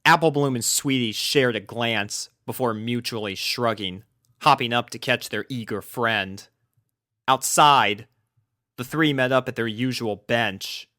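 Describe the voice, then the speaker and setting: A man's voice: mid-range voice, measured pace, sharp tone, no echo. Man narrating a story, close and dry. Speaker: fan fiction narrator.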